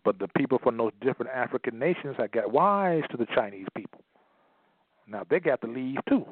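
A man delivering a forceful lecture at a middle pitch, repeating key phrases for stress and sometimes reading from a page. The sound is thin and phone-like, with no room echo at all. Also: lively intonation, a little fast. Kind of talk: emphatic lecture, partly read aloud. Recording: tinny phone-like line, dry.

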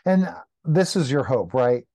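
Man, talk show host, mellow warm voice, encouraging, leading questions. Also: mid-range voice, lively intonation, a little slow. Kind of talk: interview hosting.

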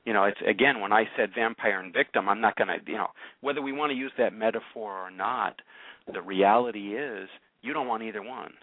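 This call-in radio host has a lowish voice and a brisk delivery. He presses a caller with probing, challenging coaching questions, often repeating words to make his point. There's no room sound, and the audio is narrow and phone-like, like radio.

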